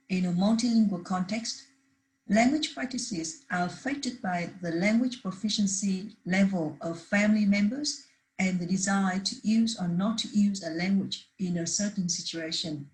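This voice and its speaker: A woman's voice: mid-range voice, darkish tone, rough recording. A woman presenting a research paper at a conference, reading steadily from prepared slides with the odd restart.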